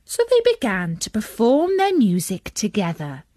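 A woman narrating a children's story in an expressive, dramatic storytelling manner. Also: mid-range voice, normal speed, no echo, clean studio sound.

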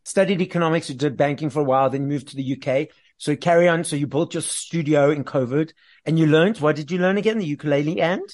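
A man's voice: fairly high pitch, fast talker, darkish tone. Upbeat South African man hosting. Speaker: host. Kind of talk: podcast interview.

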